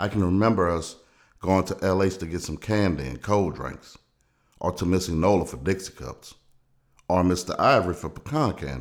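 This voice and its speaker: A man's very deep, low voice with vocal fry, ordinary pitch variation and a moderate pace. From Louisiana, Assumption Parish. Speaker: podcast host. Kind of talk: scripted monologue.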